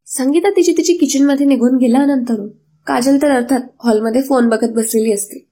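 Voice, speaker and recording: A woman's voice: high-pitched, mellow, breathy edge. A woman doing a voice-over recap of a TV serial episode, retelling it conversationally with asides.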